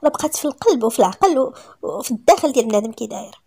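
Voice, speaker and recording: Woman doing sassy moroccan girl in a story, high and fast, husky, snaps back. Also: expressive, dark tone, exaggerated voice. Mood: indignant. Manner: snappy, indignant retorts. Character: feisty sharp-tongued young woman.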